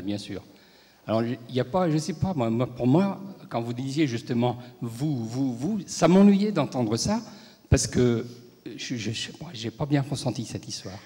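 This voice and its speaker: Man from Spain in the audience, hesitant but objecting; husky, mellow tone. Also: medium pitch. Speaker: audience member. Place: large abbey conference hall. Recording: long reverb of a big hall.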